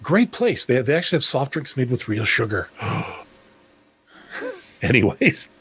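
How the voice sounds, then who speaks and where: A man's voice: medium pitch, very animated, a little slow, fairly bright tone, breathy edge. A middle-aged man co-hosting a podcast, talking in a rambling, reflective way with many restarts. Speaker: podcast co-host. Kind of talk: casual discussion.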